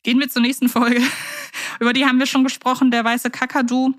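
A woman's voice: high-pitched, flat delivery, brisk, a bit bright. A woman co-hosting a podcast, chatting playfully in long winding sentences. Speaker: podcast co-host. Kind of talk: casual podcast chat.

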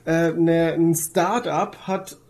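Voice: mid-range voice, steady tone, slow pace, darkish tone. A podcast co-host, chatting casually and often groping for words while reviewing series.

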